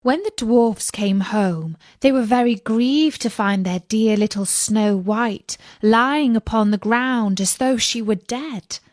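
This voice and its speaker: A woman reading a fairy tale aloud for English learners in a slow, expressive storytelling manner. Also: on the high side, no room sound, studio quality.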